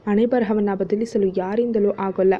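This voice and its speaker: A woman voicing a patient, caring young husband in an audio story, speaking calmly and gently scolding. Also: mid-range voice, normal speed, lightly acted. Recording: dull lo-fi audio with faint music.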